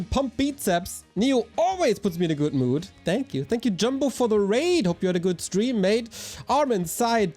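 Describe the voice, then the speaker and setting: Hoarse, animated male esports caster. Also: sits high. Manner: energetic, chatty, talks to chat. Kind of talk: live game commentary with chat shout-outs.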